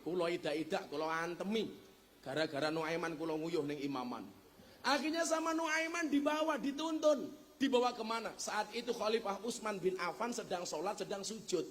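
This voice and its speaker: High-voiced preacher telling jokes. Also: male voice, a bit bright, a little hiss or hum. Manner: joking storyteller who slips into Javanese phrases. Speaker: Islamic preacher. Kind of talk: humorous sermon. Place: religious gathering before a live audience.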